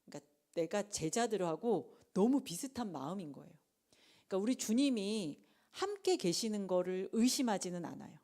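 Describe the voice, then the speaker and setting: A woman's voice: mid-range voice, normal speed. A woman preaching at a late-night prayer meeting in a conversational sermon style. She acts out the lines of the people in the story and sometimes drops to a whisper for emphasis. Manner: animated, acts out the disciples' and Jesus' lines in dramatized quotes.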